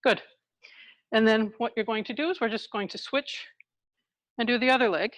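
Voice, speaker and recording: A woman leading an exercise class through a face mask, talking calmly step by step as she demonstrates each move. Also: a little high, normal speed, dry recording. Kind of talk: live exercise instruction, demonstrating while explaining. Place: indoors in a hospital building.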